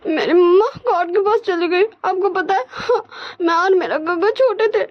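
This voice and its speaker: A woman's voice: very high voice, lively intonation, normal speed, lo-fi sound, pitched above the performer's own voice. A woman doing a tearful, childlike young man. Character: cheerful young man who weeps easily for his mother.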